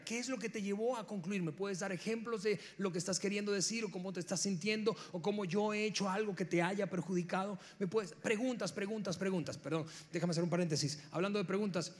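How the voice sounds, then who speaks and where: A man with a Mexican accent preaching a sermon, emphatic, repeating key words and speaking straight to the listener. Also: high voice. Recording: long hall reverb.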